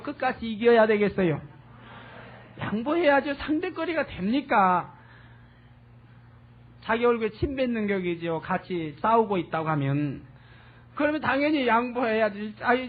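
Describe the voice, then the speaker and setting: Guy preaching a sermon, keeps asking the crowd questions, sounds like an old phone line. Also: high voice. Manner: earnest preaching, rhetorical questions to the congregation. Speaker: pastor. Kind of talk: expository sermon. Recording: tinny phone-like lo-fi audio.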